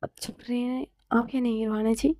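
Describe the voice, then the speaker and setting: A woman voicing a sulky, sharp-tongued young woman in a read-aloud romance story, her lines low and quick. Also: steady tone, dry recording, lightly acted.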